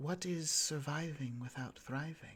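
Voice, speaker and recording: Putting on a breathy character voice, a man talks at a moderate pace with a fairly high pitch. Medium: actual play. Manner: soft, caressing.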